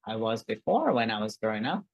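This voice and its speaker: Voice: medium pitch, big pitch swings, fairly quick, dry recording. Guest, rambly w lots of "like", dry close sound. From Brazil. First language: Portuguese. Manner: rambling, many "like" fillers and restarts. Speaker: podcast guest, artist. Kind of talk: casual interview chat.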